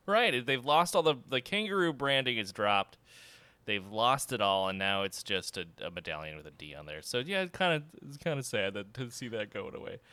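Brief: male podcast host, lively pitch, crisp bright tone, chatty and jokey. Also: normal speed, no echo. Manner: chatty, laughs often, jokey. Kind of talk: casual podcast chat.

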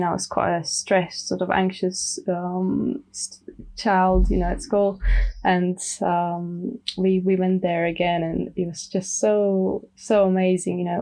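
A woman talks as a herbalist guest, soft-spoken and thoughtful. She pauses often on "you know". Her voice sits a little low and mellow, and its pitch stays fairly flat. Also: low-quality recording. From Romania. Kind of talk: casual interview.

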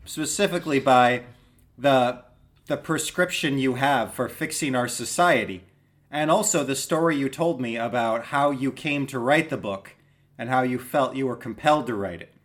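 A man's voice: medium pitch, normal speed, fairly bright tone. A man hosting a podcast interview, greeting his guest and asking friendly, rambling questions. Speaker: podcast host.

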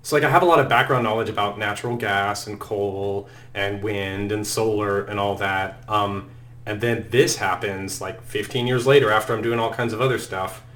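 Chatty low-voiced man, a Norwegian native speaker. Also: steady tone, moderate pace, a bit bright. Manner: chatty, peppered with "like". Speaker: game developer guest. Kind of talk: casual podcast chat. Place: Texas.

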